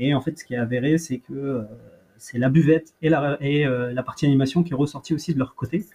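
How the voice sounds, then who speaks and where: Somewhat breathy, a man talks fairly quickly at a fairly high pitch with fairly even intonation. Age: 20s. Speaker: sports club marketing and events officer. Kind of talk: interview. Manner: hesitant, frequent repetitions.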